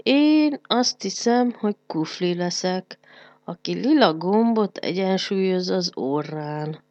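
A small whimsical kufli creature, as a woman reading a storybook puts it on, speaking a touch higher than her own voice in a slow, playful, deliberate way. The voice is darkish in pitch and recorded close and dry. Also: expressive, a little mellow, dry recording, highs cut off, natural voice. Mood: musing.

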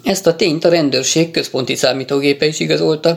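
Gravelly male audiobook narrator. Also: a little high, fairly even intonation. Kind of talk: audiobook reading.

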